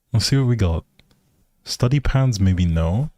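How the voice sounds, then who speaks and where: A man's voice: lowish voice, mellow, dry recording. A man live streaming a game, chatting casually with viewers and thinking aloud in an easygoing, polite way. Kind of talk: casual livestream chat over gameplay.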